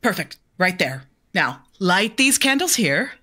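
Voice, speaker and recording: A woman's voice: lowish voice, very animated, a little slow, pushed and bright, breathy edge, exaggerated voice. A woman playing a theatrical spiritual medium who speaks in grand, dramatic pronouncements. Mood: mystical. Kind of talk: audio drama acting.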